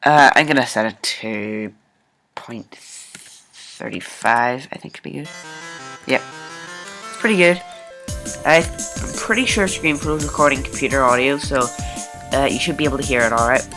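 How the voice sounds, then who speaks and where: Male screencast tutor, casual and halting, slow delivery, thinking aloud over faint music. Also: medium pitch, animated. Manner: informal, thinking aloud, halting while typing. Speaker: programming tutorial host. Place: indoors at a computer, screen recording.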